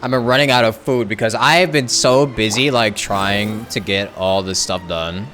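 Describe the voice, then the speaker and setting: Chatty low-voiced man streaming. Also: normal speed, fairly bright tone, faint music behind. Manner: rambling, chatty, says "like" a lot. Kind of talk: casual live-stream chat.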